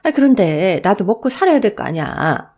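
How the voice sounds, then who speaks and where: A woman voicing a fed-up middle-aged shopkeeper who scolds loudly about unpaid debts in a Korean audio story. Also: medium pitch, big pitch swings, normal speed, pitched above the performer's own voice. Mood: scolding. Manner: loud, scolding, exasperated.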